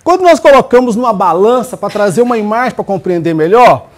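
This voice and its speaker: A man's voice: high voice, animated, fairly quick. A man with a Brazilian accent delivers an academic research presentation. He speaks like a student presenter explaining to listeners, didactic and emphatic. Key points get stated and then repeated for weight.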